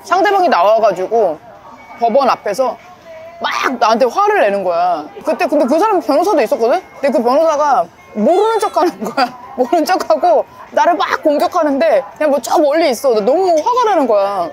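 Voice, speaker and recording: A woman lawyer talks casually to camera in a high, bright voice that swings up and down expressively, briefly acting out the people she quotes. Clear music plays under her voice. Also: very animated, a little fast. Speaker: inheritance lawyer.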